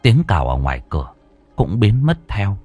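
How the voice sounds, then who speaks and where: A man's voice: fairly low pitch, very animated, moderate pace, dark tone, husky, soft background music. A man narrating a ghost story in a dramatic, suspenseful way.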